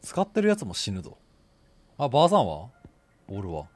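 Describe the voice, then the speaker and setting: A young man commentating live on a horror game in rough casual speech, blurting exclamations and sarcastic quips. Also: on the low side, wildly swooping pitch, moderate pace, a little mellow. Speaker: game streamer. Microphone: desk streaming mic, indoors.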